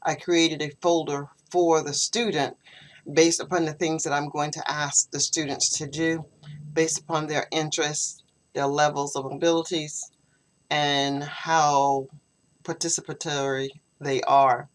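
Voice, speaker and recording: Low-voiced woman teaching over a call. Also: level tone, low-quality recording. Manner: explanatory, measured. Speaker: English teacher. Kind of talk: online tutoring session. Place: home, video call. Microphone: computer video call microphone.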